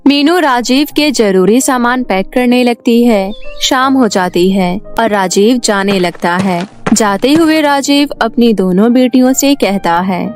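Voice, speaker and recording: A woman with a high, clear voice narrating a cartoon storybook in steady, scripted tones. Soft music plays faintly underneath. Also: a little slow, hardly any pauses.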